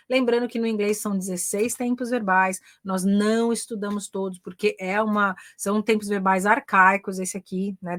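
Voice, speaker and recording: A Brazilian woman with a fairly high voice teaches English grammar in a live online class. She talks in a chatty, encouraging way, tagging nearly every phrase with a quick check-in to her viewers. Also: fairly bright tone. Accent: Brazilian Portuguese. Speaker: English teacher and career mentor.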